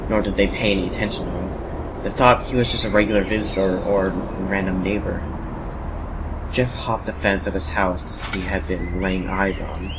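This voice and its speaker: A man's voice: low-pitched, background noise. A man reading scripted horror narration as the storyteller of an audio drama.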